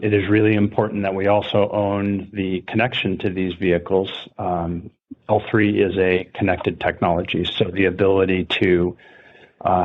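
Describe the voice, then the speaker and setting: Low male technology executive, slightly muffled. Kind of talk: measured corporate explanation on earnings call. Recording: slightly muffled conference call audio.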